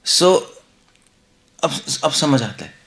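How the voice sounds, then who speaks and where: A man's voice: on the high side, big pitch swings, extremely slow, vocal fry, a bit bright. A male monk giving a conversational scripture class, mixing Hindi and English, asking the listeners rhetorical questions. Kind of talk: Hindi-English devotional lecture.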